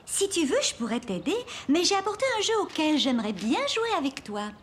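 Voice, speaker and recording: A woman's voice: high-pitched, very animated, a little fast. A woman voicing a cheerful, patient young babysitter in a French-language children's cartoon, explaining things in an encouraging way. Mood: friendly. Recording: background music under the voice.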